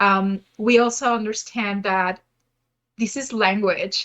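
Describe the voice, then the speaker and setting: With a Spanish accent, a woman speaks at a fairly slow pace. Her pitch is fairly high and her intonation fairly even. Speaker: trust and safety manager. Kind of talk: casual interview.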